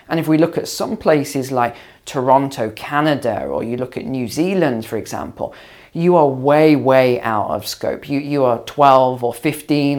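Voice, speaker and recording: A man hosting his own finance channel, slightly hoarse after long calls, explaining to camera in a conversational way with ums and repeats. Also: mid-range voice, a little mellow. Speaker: finance video host and mentor.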